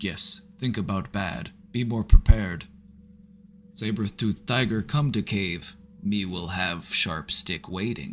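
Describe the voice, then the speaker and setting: A man's put-on character voice, fairly low in pitch, at a fairly slow pace over clear background noise. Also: ordinary pitch variation. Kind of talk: broken, simple speech. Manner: dim, simple, grunting.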